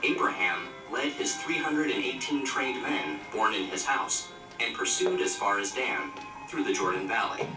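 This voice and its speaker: Male documentary narrator, scripted read; distant playback in a roomy space, loud music behind. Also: lowish voice, moderate pace. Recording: projected film played in echoey room, distant.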